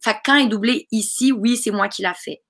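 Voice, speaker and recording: Bright chatty Québécoise woman. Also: a little high. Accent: Québécois French. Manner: chatty, animated, quick asides with fillers. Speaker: guest, voice actress. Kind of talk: casual podcast chat.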